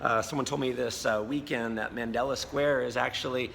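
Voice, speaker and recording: An American man who has lost his voice, hosting an upbeat casual interview with a hoarse voice and many fillers. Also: medium pitch, steady tone, fairly quick, a bit bright. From United States. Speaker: host and network marketing coach. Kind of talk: casual video blog interview. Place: hotel lobby. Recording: reverberant space with faint noise.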